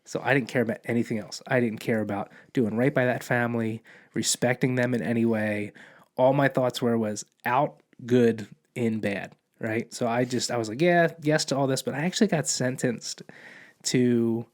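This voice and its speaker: A man's voice: mid-range voice, fairly even intonation, moderate pace. A man, a police officer and podcast guest, telling a long personal story in casual conversation, rambling with many restarts and acting out quoted dialogue.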